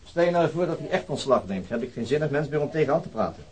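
An actor playing a weary, irritable police investigator, grumbling tersely in a Dutch radio drama. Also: male voice, medium pitch, animated, fast talker, darkish tone, close to an everyday voice, poor audio. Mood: weary, irritated.

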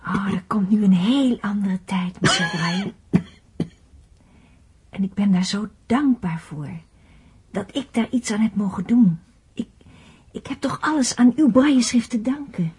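A devoted young musician in a radio drama. Her voice is very breathy and mellow. She speaks with earnest, reverent gratitude. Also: mid-range voice, expressive, a little slow, long pauses. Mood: reverent, moved. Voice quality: breathy, soft. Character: grateful, devoted, earnest blind female concert musician. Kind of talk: radio play acting.

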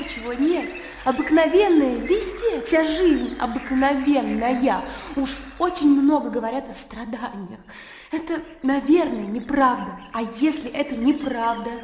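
A woman's voice: high voice, darkish tone, echoey room, in a large hall, slight background noise. A spirited young woman. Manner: spirited, teasing, laughing argumentative. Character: lively, headstrong young woman, playful and argumentative. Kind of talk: radio drama acting.

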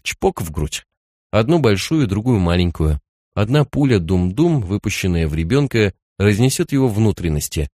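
A man narrating a thriller audiobook in an even, measured storytelling voice on a close studio mic. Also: on the low side, no echo. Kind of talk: scripted narration.

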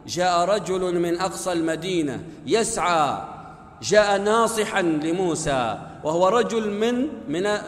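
High-voiced preacher in an echoey hall. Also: male voice. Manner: dramatic storytelling, voicing the characters' lines. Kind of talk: Friday sermon storytelling. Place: mosque. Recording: echoey hall, long reverb.

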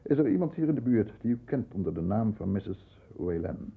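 An actor playing a composed, protective lawyer in a 1960s radio play, speaking formal, measured Netherlands Dutch. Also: male voice, on the low side, sing-song, gravelly, husky, narrow, tinny audio, full character voice. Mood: controlled, probing. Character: composed middle-class lawyer, protective older brother, narrating. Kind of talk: 1960s Dutch radio play, first-person narration and dialogue.

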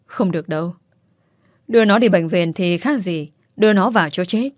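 Woman playing a bossy, stubborn mother-in-law, naggy and insistent, low-ish voice, dry. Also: normal speed, no echo, lightly acted. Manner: nagging, insistent. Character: domineering older mother-in-law, stubborn and shrill.

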